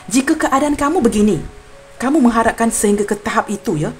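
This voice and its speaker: A woman's voice: on the high side, lively intonation, a little fast, faint music behind. A young woman from Malaysia with a Malaysian Malay accent, giving a general tarot reading to her viewers in an earnest, apologetic way. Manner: earnest and apologetic, addresses viewers warmly as friends. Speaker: tarot reader.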